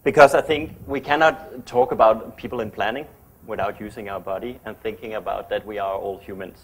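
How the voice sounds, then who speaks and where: A man whose first language is Danish, giving a chatty, fast-paced public lecture in English as an architect. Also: lowish voice, steady tone, breathy edge, low-quality recording. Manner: fast-talking, chatty, self-deprecating.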